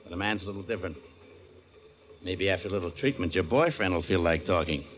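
An American actor playing a cool, unhurried gangster with polite menace in a 1940s radio crime drama. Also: male voice, low-pitched, muffled recording, a little hiss or hum, natural voice. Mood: politely menacing.

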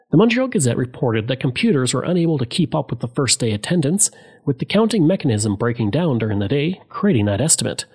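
Lively male history narrator. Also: medium pitch, slightly rough. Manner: lively storytelling, reads out quotes. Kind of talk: scripted documentary narration.

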